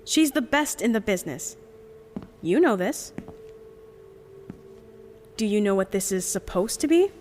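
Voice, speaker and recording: A woman's voice: mid-range voice, lively intonation, unhurried, long pauses, a little mellow, a little hiss or hum, lightly acted. A woman playing a cool, bluffing young heiress in an audio drama, composed, haughty and persuasive. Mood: cool, confident.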